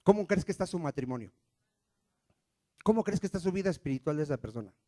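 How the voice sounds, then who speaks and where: A man's voice: medium pitch, dark tone. A male pastor preaching a sermon in church and pressing the congregation with rhetorical questions.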